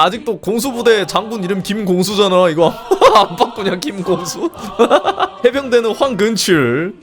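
A young man commenting on a strategy game as a streamer, exclaiming and swearing casually. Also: high-pitched.

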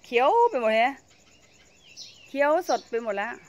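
A woman's voice: fairly high pitch, unhurried. A woman giving a chatty, casual tour of her home vegetable garden, exclaiming and laughing as she shows the plants. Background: birdsong.

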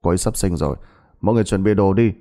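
A man voicing a brusque, teasing older male country doctor who talks in quick, matter-of-fact orders in a storybook tale. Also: sits low, warm tone.

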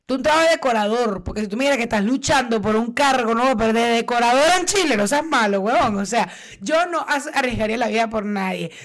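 A young woman with a Venezuelan accent telling a story in casual podcast chat, animated and slangy. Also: fairly high pitch, fast. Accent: Venezuelan Spanish. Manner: animated, slangy, acts out quotes loudly. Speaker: podcast co-host.

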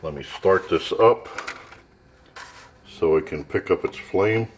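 With background noise audible, a low-voiced man takes his time narrating a camping stove test off camera. The gear tester thinks aloud casually and plainly from his cluttered workshop at home.

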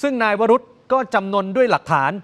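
Delivering a dramatic crime report, a male newscaster addresses viewers head-on in an emphatic, animated way. His pitch is extremely high and his pace is quick.

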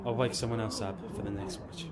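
A man playing a no-nonsense army lance corporal in an audio drama, giving brisk orders. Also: medium pitch, lively intonation, natural voice. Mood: commanding. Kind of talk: amateur audio drama acting. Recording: noisy background ambience.

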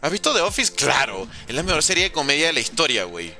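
A man's voice: a little high, sing-song, quick pace, gravelly, pushed and bright, soft background music. A young man streaming a zombie game live, playfully joking, teasing his chat and swearing as he plays. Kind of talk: live gaming commentary, reading chat.

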